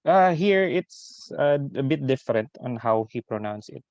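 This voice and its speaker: A man's voice: medium pitch, lively intonation, measured pace, darkish tone, dry recording, muffled recording. A man speaking as a trainee in an online class, asking questions in a polite, hesitant, apologetic way.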